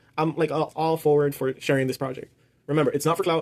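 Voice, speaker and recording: A man with a fairly high pitch and monotone, flat intonation. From Dominican Republic. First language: Spanish. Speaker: vlogger. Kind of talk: casual Spanish exchange with family; casual vlog monologue while drawing.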